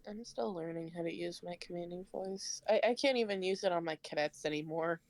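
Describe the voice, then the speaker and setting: A woman chatting as a stream guest, earnest and soft-spoken. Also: lowish voice, fairly quick, no room sound. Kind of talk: casual chat.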